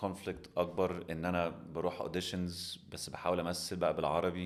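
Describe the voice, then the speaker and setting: A man talks at a fairly slow pace, his pitch very deep and low. Audible room echo surrounds the voice. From Egypt, mixed Egyptian-American family. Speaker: actor and acting coach. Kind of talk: casual podcast interview, Arabic-English code-switching. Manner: halting, with many fillers and restarts.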